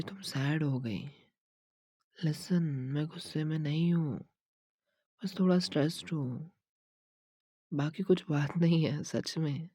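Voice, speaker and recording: A man speaks in a whispered role-play as a doting boyfriend, gently teasing and affectionate. He talks slowly, with a warm, dark tone. The sound is close and dry, with no room around it. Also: mid-range voice, dry recording. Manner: soft, affectionate and teasing, mixing in English phrases. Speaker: ASMR creator.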